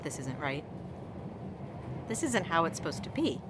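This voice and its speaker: An actress playing a devoted, wounded wife in an audio drama, speaking with emotional pleading. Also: female voice, low-pitched, sing-song, normal speed, background noise. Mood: upset, tearful.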